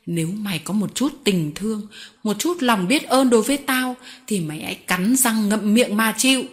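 Give me a sly, cruel man who runs a gang of children, his voice all sugar over menace, as a woman narrator puts him on. He coaxes and mocks in a smooth, mid-pitched voice, leaning loud and pushy when he threatens. It's a storybook reading. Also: animated, moderate pace, natural voice. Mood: menacing. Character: sly cruel male child-labor boss, honeyed.

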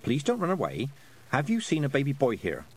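A man's voice: mid-range voice, wildly swooping pitch, brisk, husky, voice pushed up. A man voicing an earnest, brave young girl who speaks with urgency and determination.

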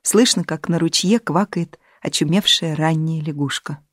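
A woman narrating an audiobook in a measured, even storytelling manner. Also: sits low, no echo, clean studio sound. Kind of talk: scripted narration.

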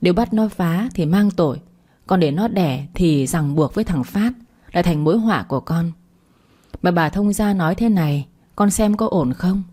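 A woman's voice: on the low side, lively intonation, normal speed, warm tone. A woman reading a story aloud, voicing an older mother who sadly advises her daughter. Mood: sorrowful. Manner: sorrowful, coaxing.

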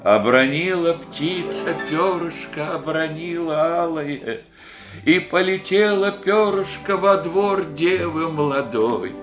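A tender old village grandfather. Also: on the high side. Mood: storytelling. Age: older. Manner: rustic village speech, slow and dreamy. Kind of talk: 1980s-style radio play acting. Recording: radio play with guitar music behind.

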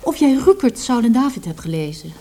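A woman playing a practical, patient, gently teasing wife in a radio drama. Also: on the high side, very animated, brisk, a little hiss or hum. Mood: matter-of-fact.

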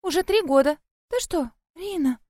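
A woman's voice: extremely high pitch, lively intonation, normal speed, a little mellow, dry recording, clean studio sound, voice pushed up. A woman voicing a friendly young rabbit-eared girl, anxious and caring, who talks in an earnest, fussing way. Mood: concerned.

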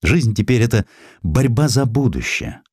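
A man voicing a dying young student's earnest, resolute farewell letter in an audiobook, solemn and measured. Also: mid-range voice, sing-song, darkish tone, husky, no echo, clean studio sound, voice pushed up.

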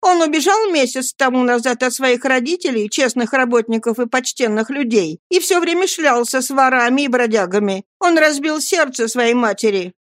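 A woman reading an audiobook and voicing a distraught young woman who wails and pleads loudly. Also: high-pitched, lively intonation, moderate pace, hardly any pauses, no room sound, clean studio sound, voice pushed up. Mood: pleading. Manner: wailing, theatrical pleading.

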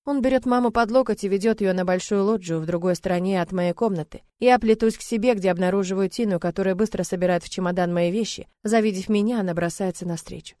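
A woman's voice: medium pitch, fast talker, hardly any pauses, mellow, no room sound, studio quality. A woman reading a first-person novel aloud with emotional, dramatic delivery. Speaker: audiobook narrator.

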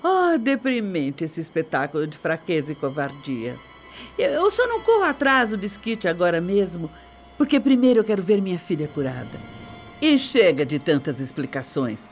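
A scornful middle-aged Brazilian wife in a radio soap opera. Her delivery is haughty and theatrical, swinging widely in pitch as she mocks and belittles her husband. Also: very animated, normal speed, faint music behind. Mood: mocking, scornful.

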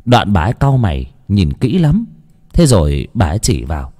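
A man reads a ghost story aloud at an unhurried pace. His voice is low and mellow, and his pitch rises and falls a great deal as he tells it. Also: huge pitch swings, breathy edge.

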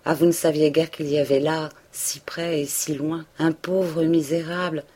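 A woman's voice: low-pitched, fairly even intonation, moderate pace, mellow, breathy edge. A woman reading a melancholy pleading male seducer. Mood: yearning. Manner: impassioned, pleading declarations.

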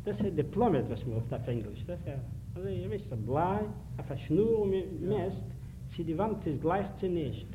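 A man lectures in a fairly high voice, driving his points home with pointed questions and little stories. He sounds thin and narrow, like an old archival tape played over a phone line. A soft hiss runs underneath. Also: moderate pace. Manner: animated, emphatic, rhetorical questions to the audience. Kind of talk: public lecture with anecdotes.

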